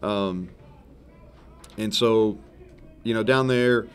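Lower-voiced coach at a press conference. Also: male voice, extremely slow, clean tone. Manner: rambling, self-correcting, relaxed and frank. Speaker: head football coach. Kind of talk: post-game press conference answers. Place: press conference room in front of a sponsor backdrop. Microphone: several table microphones in front of him.

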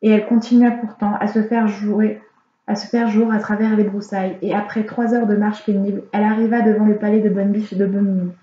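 A woman reads a fairy tale aloud in a calm, measured storytelling manner. Her mellow voice keeps an even line. The recording is roomy and slightly dull. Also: medium pitch. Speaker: audiobook reader.

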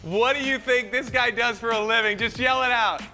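A man hosting a TV show, shouting with hyped enthusiasm. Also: very high voice, steady tone, moderate pace, faint music behind. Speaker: TV show host.

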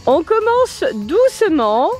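A mother hosting a family vlog outdoors by a garden pool, presenting water toys in a playful, teasing way and laughing often. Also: very high voice. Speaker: mother and channel host. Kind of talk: toy review vlog narration.

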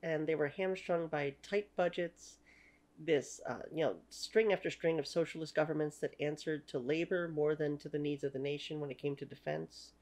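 A woman's voice: low voice, fairly even intonation, normal speed, a little mellow. A woman in her thirties with a Canadian accent and French as her first language, giving an opinionated talking-head history lecture at home with many "you know" fillers. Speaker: history channel host. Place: small room at home.

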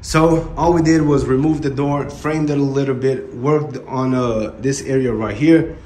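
A man's voice: medium pitch, steady tone, unhurried, darkish tone. A man in his thirties giving a plain, step-by-step walkthrough of a house renovation, filmed on a phone while walking through the rooms. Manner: plain, matter-of-fact, explaining step by step. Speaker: real estate investor vlogger. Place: empty house under renovation, indoors. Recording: echoey empty rooms.

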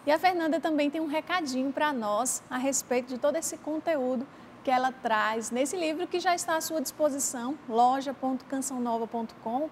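A woman's voice: high-pitched, darkish tone, slight background noise. A woman hosting a religious morning TV talk show, interviewing a guest and often finishing her sentences.

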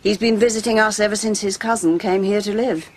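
An actress playing a composed, dryly witty senior nun in a radio drama, with a husky voice and measured authority. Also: female voice, medium pitch, fairly even intonation, lightly acted.

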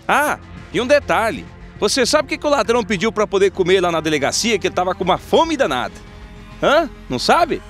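Lively high-voiced male news narrator. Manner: jokey, chatty asides to viewers. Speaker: TV news reporter narrating footage. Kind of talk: playful scripted news narration.

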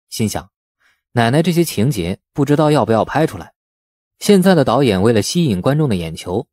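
A male audiobook narrator tells a story in a scripted, dramatic style. His mid-pitched voice moves in lively swings, and the sound is close and dry. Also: dry recording.

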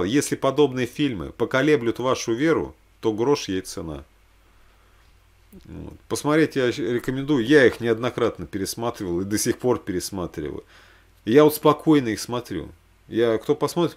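Low-voiced man chatting off the cuff. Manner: rambling, thinking aloud, hesitant asides. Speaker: religious vlogger recommending films. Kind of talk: casual, unscripted chat to camera. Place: small room at home, indoors.

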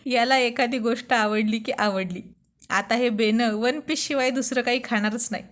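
A woman's voice: on the high side, steady tone, normal speed, natural voice. A woman voicing a cheerful, frank young man who openly loves his wife, in a spoken storybook. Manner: warm, frank.

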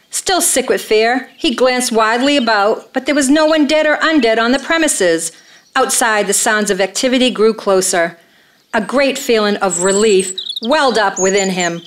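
A woman reading scripted radio play narration on stage in a dramatic storytelling manner. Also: fairly high pitch. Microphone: stand microphone.

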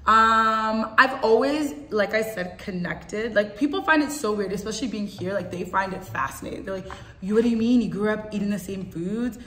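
A woman's voice: medium pitch, moderate pace, a bit bright, roomy sound. A young woman from Canada in casual conversation as an interview guest, chatty and laughing often.

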